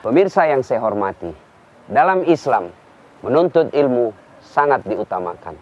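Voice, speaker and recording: A man's voice: mid-range voice, normal speed. A man giving a televised Islamic sermon, telling stories with humorous examples. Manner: lively storytelling preacher, humorous examples. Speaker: Islamic preacher. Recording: dull lo-fi recording.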